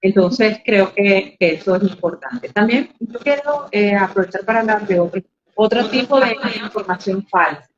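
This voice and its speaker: With a Venezuelan accent, a woman talks at a medium pitch. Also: ordinary pitch variation, moderate pace. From Venezuela, Carabobo. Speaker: journalist and radio announcer. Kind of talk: interview conversation. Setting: live stream.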